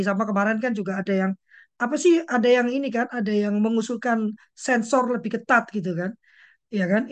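A woman hosting a parenting discussion who talks bluntly and emphatically. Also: medium pitch. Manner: blunt and emphatic, acts out quoted voices. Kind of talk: outspoken panel discussion.

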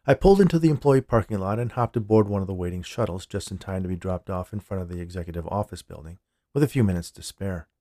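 A man narrating scripted stories as a podcast host, with a measured, dramatic delivery and deliberate pauses. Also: deep voice, warm tone.

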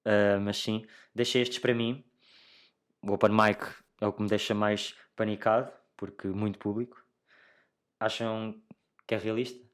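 A young adult man with a European Portuguese accent hosts a solo podcast, chatting casually with plenty of slang. He thinks aloud in a halting way and speaks directly to his listeners, his fairly low voice delivered flatly.

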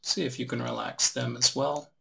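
A man guiding a relaxation meditation as a teacher, giving unhurried instructions with long pauses. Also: medium pitch, flat delivery, gravelly, pushed and bright, slightly rough.

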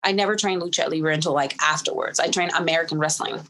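A woman's voice: low-pitched, steady tone, quick pace, a bit bright. Woman, wrestler guest, candid and emphatic, casual interview. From Mexico. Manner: candid, emphatic, self-assured.

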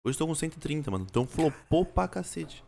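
A man's voice: on the high side, big pitch swings, fast, vocal fry, a little mellow. A young man with a Brazilian Portuguese accent chatting casually as a podcaster, slangy, often repeating phrases and restarting. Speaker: podcaster and streamer.

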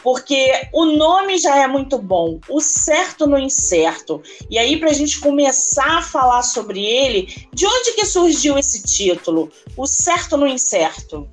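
Brazilian woman, podcast host, slow effusive delivery, higher voice. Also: sing-song, faint music behind. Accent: Brazilian Portuguese. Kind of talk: friendly podcast interview.

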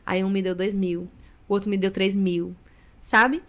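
A woman's voice: mid-range voice, unhurried. A woman, a guest Catholic singer telling her story expressively in a casual podcast interview. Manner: expressive storyteller, often adds "né".

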